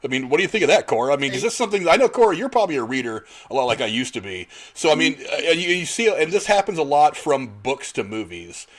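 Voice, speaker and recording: A man's voice: fairly high pitch, big pitch swings, quick pace, few pauses. A man hosting a casual panel discussion, rambling a little as he talks at length. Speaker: podcast host moderating a discussion.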